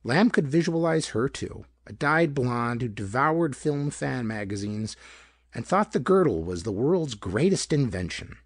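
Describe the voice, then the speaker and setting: A man's voice: mid-range voice, expressive, a little slow, no echo, clean studio sound. A man reading a pulp detective story as an audiobook narrator, in scripted narration.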